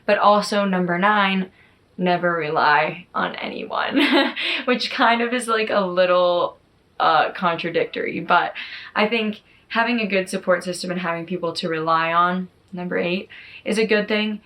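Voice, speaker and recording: Speaking at a moderate pace, a woman in her early twenties with a fairly low, fairly bright voice vlogs for her YouTube viewers. It's relaxed, chatty talk to camera, full of informal fillers such as "like" and "you know."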